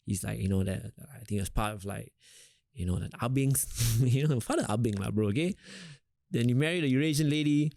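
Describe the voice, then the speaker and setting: Laid-back Singaporean man, dark dry voice. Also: mid-range voice, brisk, gravelly, dry recording. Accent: Singaporean English. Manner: relaxed, rambling, many fillers and restarts. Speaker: rapper, interview guest. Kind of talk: casual interview chat.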